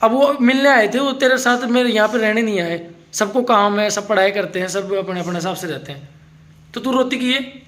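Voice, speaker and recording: High-voiced man hosting a family vlog. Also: a little fast, fairly bright tone. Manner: coaxing and comforting, talks to camera and partner. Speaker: vlogger host. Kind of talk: casual family vlog chat.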